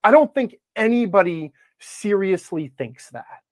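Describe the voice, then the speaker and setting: A middle-aged man debating conversationally as a podcast guest, assertive and quick to interject with pointed questions. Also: high-pitched, very animated, dry recording. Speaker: podcast guest, game-advice blogger.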